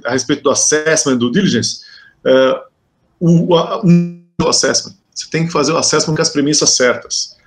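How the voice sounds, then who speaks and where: A man with a Brazilian Portuguese accent, a guest executive explaining a past business mistake in a halting way with many restarts. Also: a little high. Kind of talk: conversational explanation.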